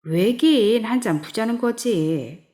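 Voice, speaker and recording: A woman's voice: fairly high pitch, animated, slow, warm tone, voice pushed up. Woman reading as a bossy, needling male friend. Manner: commanding, needling. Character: pushy bossy middle-aged male friend.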